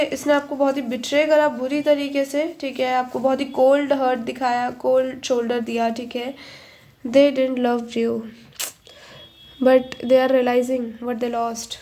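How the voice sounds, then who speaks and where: A woman doing a casual tarot reading, chatty and switching between Hindi and English, talking slowly because she is unwell. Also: high-pitched, darkish tone. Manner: chatty, mixing Hindi and English, many fillers. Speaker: tarot reader.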